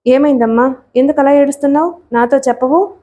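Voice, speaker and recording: A gentle young daughter who speaks softly and tenderly, with a faint distance behind it, as a woman reads her. The voice is mellow and a bit high. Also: brisk, natural voice. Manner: soft, tender.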